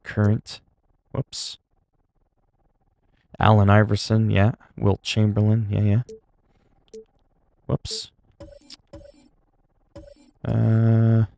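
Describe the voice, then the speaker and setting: Low gravelly streamer. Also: male voice, flat delivery, extremely slow, long pauses, dark tone. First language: French. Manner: rambling, self-talk with laughs and asides. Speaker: gaming streamer. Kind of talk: casual gameplay chat.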